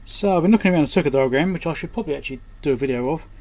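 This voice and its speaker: A man's voice: a little high, expressive, very fast, darkish tone. A man giving casual hands-on repair commentary, muttering and thinking aloud as he works at a workbench. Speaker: electronics repairer presenting his repair. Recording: clear background noise.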